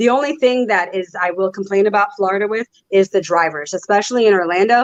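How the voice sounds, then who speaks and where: In a New York accent, a woman at medium pitch talks at a very fast pace with ordinary pitch variation. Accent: New York accent, still noticeable. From New York, Queens, Nuyorican. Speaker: pro wrestler. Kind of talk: casual chat. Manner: loud.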